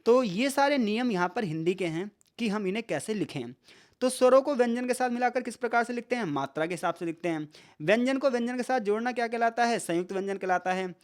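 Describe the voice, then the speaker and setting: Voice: mid-range voice, expressive. Tutor quizzing and sounding out syllables. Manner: poses questions and answers them, sounds out syllables slowly; mixes English words into speech. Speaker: exam tutor. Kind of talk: explanatory online lesson.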